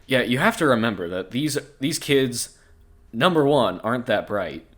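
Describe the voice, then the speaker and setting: A man's voice: mid-range voice, big pitch swings, normal speed. A man co-hosting a podcast, reading scripture aloud and breaking off into crude jokes and frequent laughter. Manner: laughs often, crude and joking. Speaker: podcast co-host.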